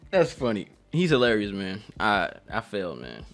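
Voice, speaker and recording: A man's voice: on the low side, huge pitch swings, a little slow, faint music behind. A man hosting a casual reaction chat in a slangy, informal way. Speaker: reaction channel host.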